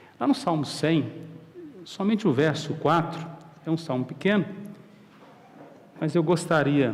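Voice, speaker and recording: There is audible room echo as a man with fairly high pitch and ordinary pitch variation speaks at a fairly slow pace. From Paraná, Brazil. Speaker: pastor. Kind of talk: sermon.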